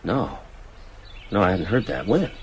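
An actor in a radio drama playing a guarded, prickly novelist with a wry, curt manner. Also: male voice, low voice, big pitch swings, measured pace, a little hiss or hum, exaggerated voice. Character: guarded, prickly male novelist, stranger in town.

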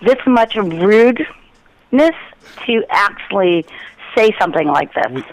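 A woman's voice: mid-range voice, lively intonation, unhurried, slight background noise. A woman arguing on a phone call, indignant and sarcastic, as the target of a prank call. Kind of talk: angry phone argument.

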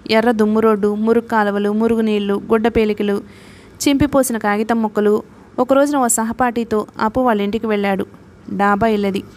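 Woman, audiobook narrator, higher voice, steady even reading. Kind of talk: scripted narration.

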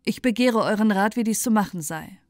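A woman's voice: medium pitch, brisk, darkish tone, dry recording, natural voice. A woman voicing a repentant, solemn king in a fairy tale, speaking formally. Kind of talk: storybook character voice.

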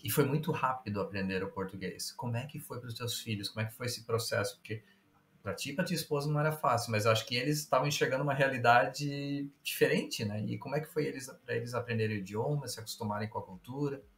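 A man hosting a casual interview, relaxed and enthusiastic with slangy remarks. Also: medium pitch, quick pace. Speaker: host. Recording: echoey room with faint noise.

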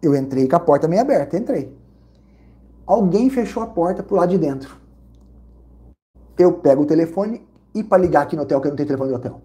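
Animated Brazilian man telling a story. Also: a little high, fast talker, long pauses. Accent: Brazilian Portuguese. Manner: animated, repetitive, exclamatory. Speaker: vlogger reviewing credit card perks and hotels. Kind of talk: casual storytelling vlog.

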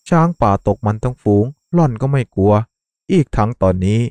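A man narrating a dramatic horror story in a measured, suspenseful way. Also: medium pitch, expressive, a little mellow, no room sound. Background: faint music.

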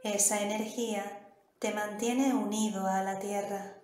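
Slow, calm woman guiding a meditation. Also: medium pitch. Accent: Canary Islands Spanish. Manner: slow, soft, calm instructions with long pauses. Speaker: meditation guide. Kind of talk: guided meditation. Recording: roomy echo with soft music behind. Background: soft background music.

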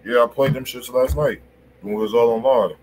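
A man's voice: medium pitch, steady tone, brisk, darkish tone, low-quality recording. Chill guy co-hosting, short slangy reactions, bit of hiss behind him. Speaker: co-host on the stream. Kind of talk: casual chat.

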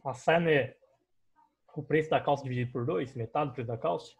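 A man's voice: medium pitch, brisk, gravelly, slightly rough. A young Brazilian man teaching a math class over a screen recording, explaining each step patiently and often checking in with his students. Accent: Brazilian Portuguese. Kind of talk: online math class explaining on a digital board.

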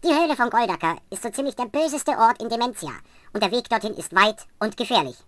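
A woman's voice: on the high side, animated, quick pace, no echo, natural voice. A woman voicing a tiny, self-important male elf with a testy, pedantic, teasing manner in a fantasy audio story. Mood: teasing, instructive.

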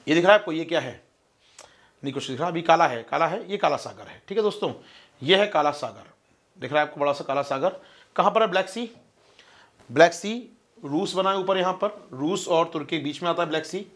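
A fast-talking man teaching an online exam-prep class, his voice sitting fairly high. He keeps asking his listeners questions and answering them himself, and he calls them his friends. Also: fairly bright tone. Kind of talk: online lecture explaining a map.

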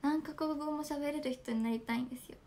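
Giggly high-voiced young woman streamer. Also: fast, mellow. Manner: giggly, chatty, reads fan comments. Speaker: idol livestreamer. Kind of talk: casual livestream chat. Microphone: smartphone.

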